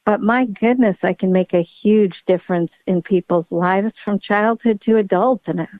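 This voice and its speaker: A woman's voice: medium pitch, normal speed, no room sound. Woman guest expert, middle-aged, eager explainer, phone-quality line. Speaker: pediatric neurologist guest. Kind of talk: podcast interview. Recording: tinny phone-like line, dry.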